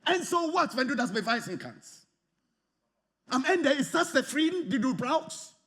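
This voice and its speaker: A man preaching a sermon in lively, slightly non-native German with English phrases mixed in. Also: very high-pitched, unhurried. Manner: animated, lively, often acts out quoted arguments. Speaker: pastor.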